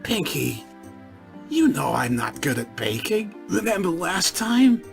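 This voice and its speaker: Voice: mid-range voice, sing-song, measured pace, gravelly, faint music behind. A narrator voicing a brash, sporty young pegasus pony mare in a storybook reading, talking eagerly and bluntly. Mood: let down.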